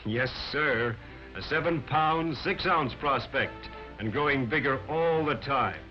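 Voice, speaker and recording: A man narrating an old 1940s training film in a lively, sweeping voice that rises and falls. He lectures emphatically and counts off his points. The sound is dull and lo-fi, with faint music underneath. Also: medium pitch.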